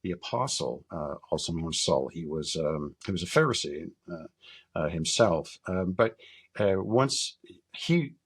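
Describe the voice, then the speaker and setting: A middle-aged American man from northern Minnesota talking reflectively as an interview guest, candid and halting in his delivery. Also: low-pitched, animated, slightly rough. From northern Minnesota, United States. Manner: candid, halting, casually profane. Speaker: podcast guest, military veteran and survival instructor.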